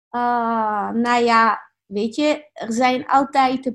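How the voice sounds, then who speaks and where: Recorded very cleanly with a silent background, a woman speaks at a high pitch with fairly even intonation. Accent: Italian. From Italy. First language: Italian (speaking Dutch). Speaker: plastic surgeon. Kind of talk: interview. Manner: halting.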